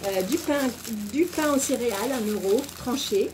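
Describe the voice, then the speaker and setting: A woman's voice: fairly high pitch, expressive, moderate pace, noisy background. A woman chatting casually as a vlogger at home, showing off her groceries in a rambling way and laughing at herself. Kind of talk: casual grocery haul chat.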